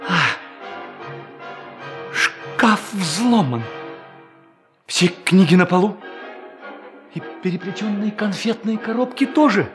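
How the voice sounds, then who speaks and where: Tormented, frantic man, wildly swinging pitch. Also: animated, slow, long pauses, soft background music. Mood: shocked, despairing. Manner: frantic, repeats words insistently. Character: tormented, agitated man confessing to theft, obsessive and despairing. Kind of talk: theatrical audio drama acting.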